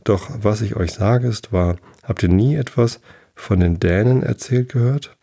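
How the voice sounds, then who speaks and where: Man voicing a sly old fairy shoemaker from a storybook, dismissive, dark rough tone. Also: on the low side, a little slow. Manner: curt, dismissive, slightly raised voice. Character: tiny old male fairy cobbler, sly and haughty.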